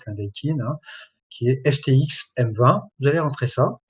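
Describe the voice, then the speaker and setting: Husky man, halting webinar demo. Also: mid-range voice. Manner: hesitant, many fillers like voilà and hein. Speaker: product presenter.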